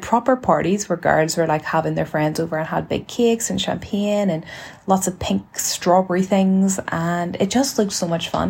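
Woman in her twenties, lowish voice, a little husky, relaxed, informal chatty podcast host. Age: 20s. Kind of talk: casual solo podcast talk.

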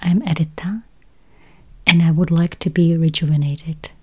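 A woman leads a guided meditation in a soft, whispery voice, gently speaking in short, spaced phrases. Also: low-pitched, fairly even intonation, moderate pace, breathy edge. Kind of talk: guided meditation, counting and affirmations.

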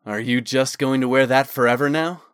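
A man's voice: mid-range voice, animated, unhurried, a bit bright, dry recording, clean studio sound. A man voicing a teasing, smug but fond male guardsman in an audiobook, with a wry way of talking. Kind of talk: audiobook character dialogue.

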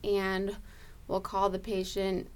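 A woman's voice: mid-range voice, slow. Chatty laughing woman nurse. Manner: lively, laughs often, many likes. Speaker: ER nurse guest. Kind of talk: casual storytelling.

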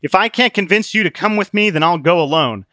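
A man's voice: sits high, lively intonation, fairly quick, bright, forceful tone, no room sound, clean studio sound, voice pushed up. A man voicing a desperate young armored soldier who pleads and protests in a strained, frantic way. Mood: pleading.

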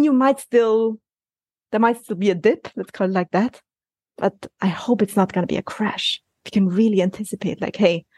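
A woman coaching guest speaking gently and reassuringly in a conversational interview, often restarting her sentences. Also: medium pitch, no room sound.

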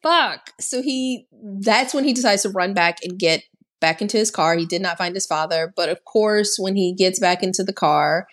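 A podcast co-host, this woman talks at a moderate pace with a medium-pitched voice. Her horror film recap is casual, chatty, and sarcastic, and she leans heavily on the word "like."

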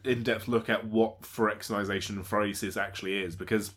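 A man's voice: on the low side, fairly even intonation, brisk, fairly bright tone. A man co-hosting a casual podcast chat, talking bluntly with plenty of swearing and fillers. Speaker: podcast co-host.

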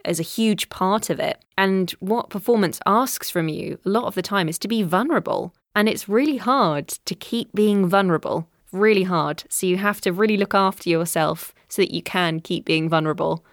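A woman's voice: mid-range voice, normal speed, hardly any pauses, no room sound, clean studio sound. A woman voiceover artist in a casual interview, chatty and self-deprecating, laughing often.

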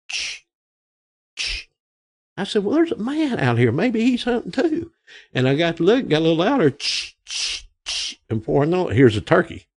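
A man's voice: mid-range voice, darkish tone. Folksy Arkansas man in his sixties. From Arkansas, USA. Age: 60s. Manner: folksy, rambling, acts out quoted voices. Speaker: guest. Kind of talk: casual storytelling.

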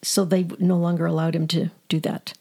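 A woman's voice: on the low side, little pitch movement, brisk, vocal fry, darkish tone, breathy edge. An older woman co-hosting a podcast, asking earnest, probing questions in a conversational interview. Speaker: podcast co-host.

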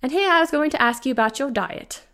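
A woman voicing a brisk, wry older woman doctor with a British accent and a dry, teasing manner. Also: high-pitched, lively intonation, a bit bright, voice pushed up.

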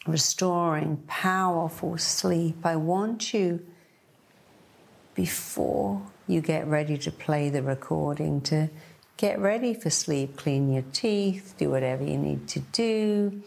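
Female meditation guide: low, creaky voice, soothing and deliberate, phrases broken by pauses. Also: a little mellow. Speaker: meditation guide, hypnotherapy-style narrator.

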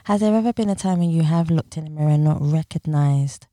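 A woman's voice: low voice, quick pace, mellow, no room sound, clean studio sound. A woman hosting a podcast interview, enthusiastic and full of praise for her guest. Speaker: podcast host.

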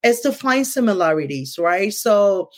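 A woman's voice: mid-range voice, sing-song, measured pace. A middle-aged woman with a Ghanaian accent, hosting a casual conversation in an earnest tone and often checking in with "right?". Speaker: podcast host.

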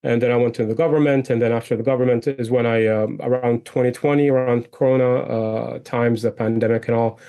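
Man from iraq, podcast guest, medium pitch, chatty, restarts often. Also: fairly even intonation, a little fast, hardly any pauses, mellow. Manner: chatty, with frequent restarts and fillers. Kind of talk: interview conversation.

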